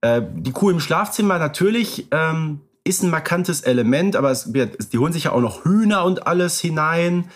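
A man co-hosting a podcast, chatting casually, relaxed and thinking aloud with frequent filler sounds. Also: on the high side, normal speed, few pauses. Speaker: podcast co-host.

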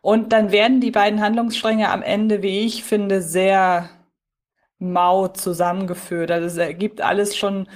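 Woman, medium pitch, podcast co-host, unscripted chat, reflective, wordy. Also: flat delivery, measured pace. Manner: reflective, wordy, thinking aloud. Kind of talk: casual unscripted review chat.

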